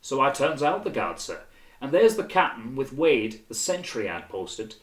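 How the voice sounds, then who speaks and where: A man playing a nervous, stiff marine corporal in an audiobook, halting and deferential. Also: medium pitch, very animated, fairly bright tone, roomy sound, pitched above the performer's own voice.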